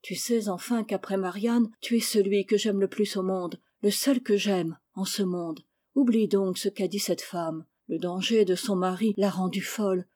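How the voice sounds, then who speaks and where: A gentle blind young woman, as a woman reader does her, soft and soothing. The tone is quiet and mellow, as in a storybook reading. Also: a little high, steady tone, measured pace, few pauses. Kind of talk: audiobook character reading.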